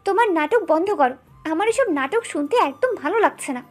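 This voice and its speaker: A very high-voiced fiery young wife. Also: female voice, animated, brisk, soft background music. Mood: angry. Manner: biting, accusing outbursts. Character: hot-tempered young wife, sharp and accusing. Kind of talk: audio drama acting.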